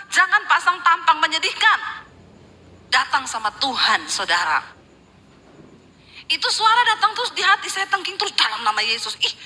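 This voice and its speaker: Bright-voiced woman pastor preaching. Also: high voice, low-quality recording. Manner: lively storytelling with acted quotes and jokes. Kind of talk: live church sermon.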